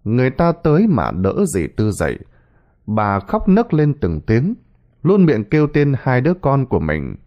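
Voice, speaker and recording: A man's voice: medium pitch, wildly swooping pitch, moderate pace, lo-fi sound. A man narrating a scripted horror story with a dramatic delivery.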